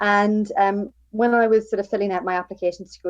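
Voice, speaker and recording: Against a quiet background, the speaker talks very fast in an Irish accent with ordinary pitch variation. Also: woman. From Ireland. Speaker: sports physiology professor. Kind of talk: interview.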